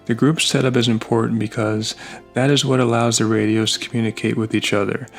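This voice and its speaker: A man delivers scripted product review narration in a mid-range voice with noticeable vocal fry. He speaks in measured, short phrases and plain statements, like a reviewer walking through a device step by step. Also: mid-range voice.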